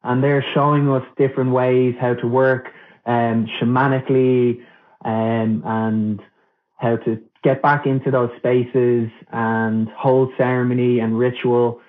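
Male interview guest, Irish accent. Earnest, halting explainer with level intonation, heard through tinny phone-like audio. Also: medium pitch, little pitch movement. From Ireland. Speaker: podcast guest. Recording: thin phone-like band-limited audio.

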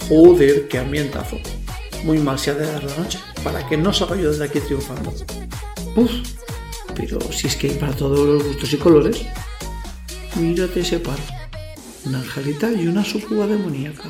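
A man's voice: a little high, normal speed, natural voice. An actor playing a cocky, lustful young man in a werewolf costume, narrating his night in slangy, self-mocking audio fiction. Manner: slangy, boastful, talks to himself. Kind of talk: first-person audio fiction narration with dialogue. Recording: roomy echo, faint music behind.

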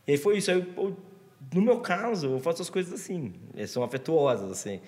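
A man with a Brazilian accent tells a long story in a loose, slangy way, stopping and restarting his phrases. He talks fast, and his voice carries a long reverb. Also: fairly high pitch, sing-song, a little mellow. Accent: Brazilian Portuguese. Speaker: guest author. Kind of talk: casual chat.

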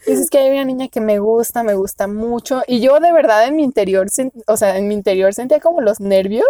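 A woman's voice: fairly high pitch, a little fast, dark tone, no echo, studio quality. A young woman with a Mexican accent tells a dating story in casual chat, laughing often and squealing when she quotes herself. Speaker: podcast co-host.

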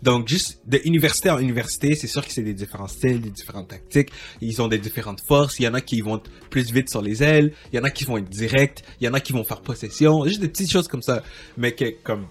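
A man's voice: medium pitch, expressive, fast. A man hosting a casual soccer interview, rambling with many restarts. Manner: rambling, many restarts and fillers, laughs often. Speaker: podcast host.

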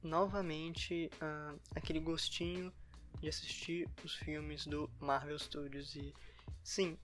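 Brazilian guy talking solo on a podcast, slightly high voice, bit of music behind. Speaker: podcast co-host. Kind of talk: solo podcast commentary recorded afterwards. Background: background music.

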